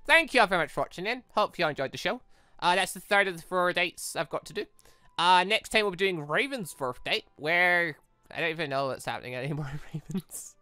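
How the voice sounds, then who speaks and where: A man giving casual, animated game commentary as he thinks aloud in a rambling, expressive way. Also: sits high, brisk, smooth, dry recording. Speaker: gaming channel host. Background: background music.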